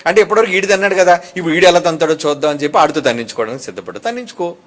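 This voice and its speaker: Male pastor, high voice, animated sermon delivery, heavy on rhetorical questions. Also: rapid-fire. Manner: preaching with rhetorical questions and repeated asides to the crowd; emphatic and animated.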